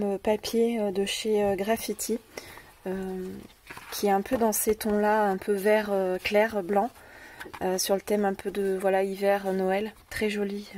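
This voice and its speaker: A woman's voice: mid-range voice, darkish tone. A woman with a French accent hosting a scrapbooking video, talking in a hesitant way with many fillers and repeated words. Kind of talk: casual show-and-tell of a craft haul. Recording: distant mic with faint noise.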